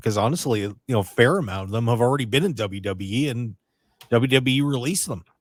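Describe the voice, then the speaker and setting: Recorded very cleanly against a silent background, a man with an unremarkable speaking voice talks at a fairly quick pace in a medium pitch with ordinary pitch variation. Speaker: radio show host. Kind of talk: radio talk show discussion.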